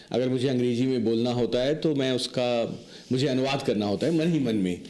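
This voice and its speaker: At a moderate pace, a man talks at medium pitch with ordinary pitch variation and very even loudness. Audible room echo and noticeable background noise fill the recording. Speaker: poet and computer professional. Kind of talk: TV interview.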